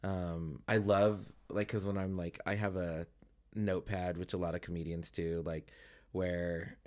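Deep-voiced man in casual chat. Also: level tone, unhurried, darkish tone. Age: 30s. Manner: chatty, rambling, laughs easily. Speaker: podcast co-host.

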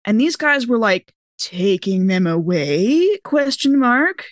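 A woman playing a tabletop role-playing game, chatting casually and in an animated, interjecting way. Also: fairly high pitch, slow, dry recording, studio quality. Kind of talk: casual improvised in-character game chat.

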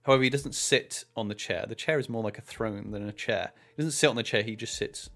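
A man working as game master, improvising descriptive narration for a tabletop game with hesitant pauses mid-phrase. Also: fairly low pitch, fairly bright tone.

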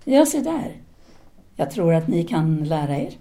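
Mellow, self-possessed seductive intellectual woman. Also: deep voice, very animated. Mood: seductive, probing. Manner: formal, measured, intimate. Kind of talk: audio drama letter monologue and dialogue.

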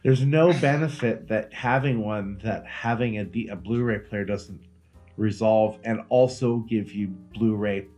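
A man co-hosting a comedy podcast, trading deadpan jokes and telling rambling stories in casual chat. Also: on the low side, unhurried, soft background music. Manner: deadpan joking, rambling storytelling. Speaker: podcast co-host.

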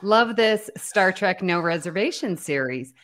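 A woman co-hosting a live podcast, reading listener comments aloud with a lively, easily amused manner. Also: lowish voice, measured pace. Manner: animated, reads comments aloud, laughs easily. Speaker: podcast co-host. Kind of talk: casual live podcast chat.

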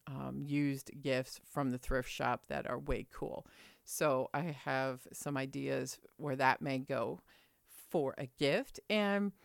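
A woman's voice: low voice, creaky, clear, resonant tone, dry recording, clean studio sound. A middle-aged woman vlogging in a chatty, rambling way with fillers. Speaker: quilting vlogger. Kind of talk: casual chat.

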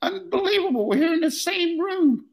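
An older man putting on a squeaky, astonished old Irish drunk. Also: animated, moderate pace, gravelly, heavily acted. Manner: squeaky exaggerated brogue, jumping high with surprise.

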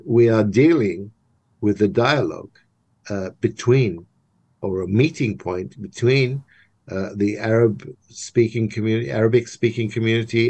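Older man, halting thoughtful speech. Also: lowish voice, darkish tone. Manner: thoughtful, restarts and repeats words often. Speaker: guest, theatre maker and lecturer. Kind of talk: interview answer.

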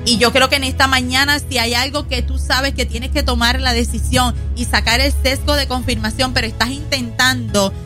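A woman's voice: high voice, steady tone, moderate pace, few pauses, music in the background. A woman pastor, preaching earnestly on a Christian talk program and speaking straight to the audience. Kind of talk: Christian radio talk segment.

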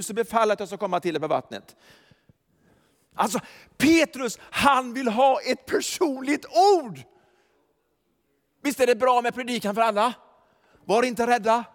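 High-voiced preaching man in a hall. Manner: emphatic preaching that swings from quiet asides to shouted declarations; chuckles often while telling. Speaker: pastor. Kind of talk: sermon. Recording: long reverb of a large hall.

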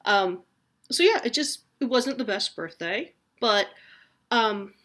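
A woman's voice: mid-range voice, lively intonation, slow pace, fairly bright tone. A woman in her forties hosting a casual solo podcast from home, chatty and rambling, with a self-deprecating humor. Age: 40s. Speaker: podcast host.

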